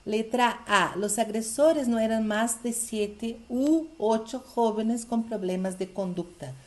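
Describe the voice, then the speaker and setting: Brazilian-style teacher checking in often. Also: female voice, fairly high pitch, unhurried, a little mellow. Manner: explains step by step, checks in with "tá?" and "ok?". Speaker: Spanish teacher. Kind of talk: recorded online review lesson.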